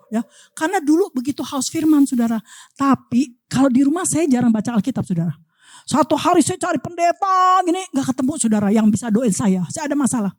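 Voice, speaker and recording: Her voice sitting high and her delivery brisk, a woman gives an animated church sermon, addressing the congregation as "Saudara" again and again. The recording is dry.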